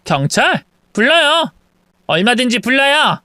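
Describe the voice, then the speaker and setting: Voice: mid-range voice, sing-song, a little slow, sharp tone, no echo, studio quality, voice pushed up. A reader voicing an angry young wife who accuses her husband's family of theft, in an indignant tone. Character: angry young wife confronting thieving in-laws.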